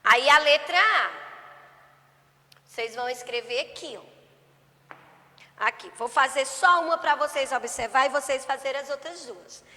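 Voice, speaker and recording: Teaching young children remotely, this woman uses a bright, high-pitched voice and an unhurried pace, lengthening each syllable. Frequent "né?" and "certo?" checks punctuate her lesson as she makes sure they keep up. A long reverb lingers after each phrase.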